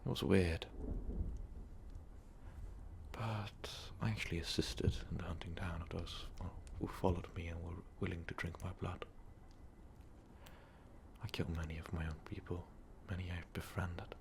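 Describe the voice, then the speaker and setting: An ancient, brooding vampire overlord, acted by a man, speaks in a very deep, half-whispered voice full of gravel. He delivers a grave, halting ASMR monologue. Clear noise sits behind the voice. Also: flat delivery. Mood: haunted, sorrowful. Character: ancient brooding male vampire overlord confessing his dark past. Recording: noticeable background noise.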